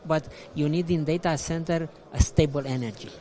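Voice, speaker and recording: A man's voice: a little high, steady tone, normal speed, dark tone. A man interviewing a guest, asking short prompting questions and echoing the answers. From Romania. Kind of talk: conversational interview.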